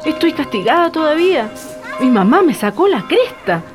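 A woman's voice: sits high, very animated, normal speed, over music. An actress playing a shy, nervous teenage girl in a radio drama.

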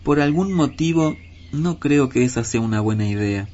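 A man's voice: medium pitch, expressive, moderate pace, dark tone, natural voice. A man voicing a timid, evasive husband crow in a storybook reading, grumbling and defensive. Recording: dull lo-fi with faint hiss.

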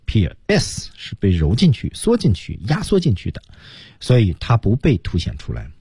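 Guy teaching english pronunciation on the radio, super lively up-and-down voice, dry close sound. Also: fairly low pitch, normal speed, slightly rough, no room sound. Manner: explains pronunciation and models English phrases; chatty banter with co-host.

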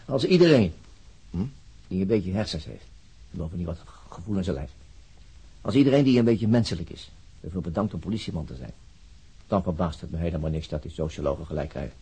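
Very raspy, brusque police detective. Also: male voice, low voice, animated, a little fast, pauses often, warm tone, heavily acted. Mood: exasperated. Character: brusque, weary male police detective, sceptical colleague. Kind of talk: naturalistic radio drama acting.

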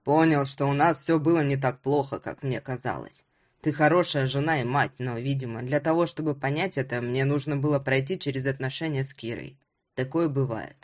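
A woman voicing a smug, mocking father who has been drinking, in a low drawling voice. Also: a little fast.

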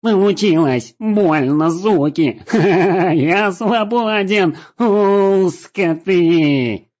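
A man's voice: mid-range voice, very animated, unhurried, darkish tone, voice pushed up. A man voicing a shrieking, manic male game creature who laughs wildly and curses. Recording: dull lo-fi recording.

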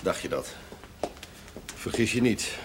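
An actor playing a worldly, blunt and teasing Catholic priest in a Dutch television period drama. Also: male voice, slow pace, lightly acted. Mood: wry, teasing. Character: worldly, wry, forthright Catholic priest, the curate's confidant. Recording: noisy old television soundtrack with clicks.

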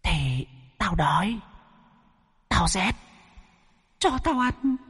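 Man doing a shrill, begging hungry ghost. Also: sing-song, very slow, a bit bright, breathy edge, in a large hall, exaggerated voice. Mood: pleading. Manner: whimpering, begging, distant-sounding. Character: possessed woman's hungry ghost, shrill and pleading.

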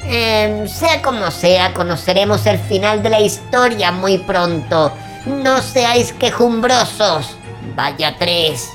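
A woman's voice: mid-range voice, animated, slow pace, faint music behind. A woman voicing a creepy, grumpy old male horror host who speaks in grandiloquent, theatrical phrases to listeners. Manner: grandiloquent, mock-grumbling, addressing listeners as creatures. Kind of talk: theatrical horror anthology hosting.

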